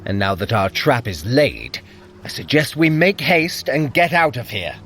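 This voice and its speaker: An actor playing a vain, sardonic trickster god and sorcerer in a theatrical, wry audio adventure style. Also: male voice, mid-range voice, very animated, measured pace, a bit bright, slight background noise. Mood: smug, scheming. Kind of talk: scripted audio adventure acting.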